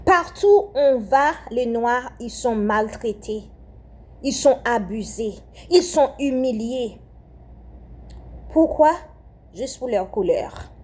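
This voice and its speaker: A woman's voice: a little high, lively intonation, takes it slowly, darkish tone. A young Haitian-born woman with a French accent giving a fervent spoken prayer message, repeating phrases and often restarting her sentences. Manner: fervent, repetitive, with hesitations and restarts.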